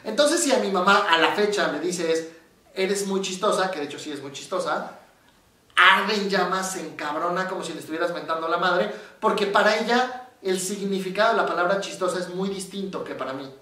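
Animated Mexican man in an echoey room. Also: high-pitched, fairly quick, distant mic. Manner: animated storyteller, acts out quoted voices. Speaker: psychologist. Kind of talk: casual explanatory talk to camera.

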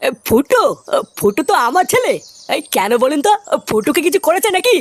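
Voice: sits high, sing-song, fairly quick, no room sound. An actor voicing a bewildered, touchy middle-aged father in a comedy cartoon, questioning and protesting. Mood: puzzled. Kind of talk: Bengali comedy cartoon dub. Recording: music behind the voice.

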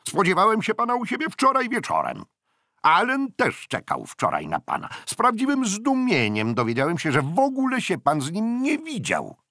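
A man voicing a gruff, short-tempered naval commander who scolds loudly, in an audiobook. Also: high voice, huge pitch swings, normal speed, no echo, clean studio sound, voice pushed up, exaggerated voice. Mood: scolding. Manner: loud, scolding, indignant. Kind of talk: audiobook character voice.

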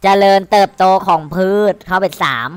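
A man giving excited, crude commentary while streaming a slot game, cursing and pleading at the screen. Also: sits high, normal speed, clean tone, no room sound, faint music behind.

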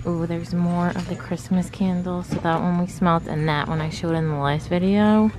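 A woman's voice: fairly low pitch, steady tone, normal speed. A woman in her thirties chatting through a face mask as she browses shelves with her phone camera. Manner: chatty, musing aloud while browsing. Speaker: vlogger. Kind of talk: casual shop-with-me narration. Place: large store indoors. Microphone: handheld phone camera. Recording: noisy store ambience.

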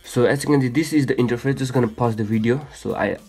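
A man's voice: medium pitch, fast talker, darkish tone, breathy edge. A man hosting a casual phone how-to, stumbling and repeating his phrases as he goes. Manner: hesitant, repetitive phrasing with frequent stumbles. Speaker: tech tutorial host. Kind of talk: casual how-to screen demonstration. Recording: music behind, some background noise.

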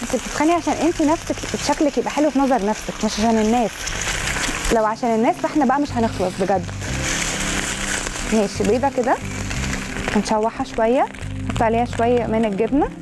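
A woman's voice: a little high, fast, long pauses, over music. A woman with an Egyptian Arabic accent, a food blogger giving chatty cooking and health advice in a kitchen, rattling along and stacking up intensifiers.

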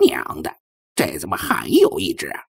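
A man voicing a gruff, know-it-all talking black cat in an audiobook, grumbling as it explains. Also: extremely low pitch, huge pitch swings, moderate pace, no echo, studio quality, pitched below the performer's own voice, exaggerated voice. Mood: grumbling, wary.

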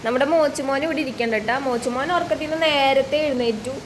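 A young woman from Kerala with a high voice vlogs at home on a rainy day, talking fast and casually. She slips into sing-song baby talk with her toddler. The home recording is very noisy, with faint rain in the background.

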